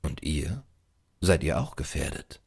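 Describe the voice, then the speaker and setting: A man voicing a courteous, sceptical male traveller in a storybook, measured and questioning. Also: a bass voice, very animated, vocal fry, darkish tone, husky, voice pushed down, heavily acted. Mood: puzzled.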